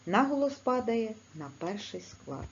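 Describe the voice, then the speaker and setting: A woman with a Ukrainian accent teaching a video lesson to schoolchildren, dictating slowly and clearly. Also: a little high, big pitch swings. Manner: slow, clear, instructive dictation. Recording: slightly dull, faint background noise.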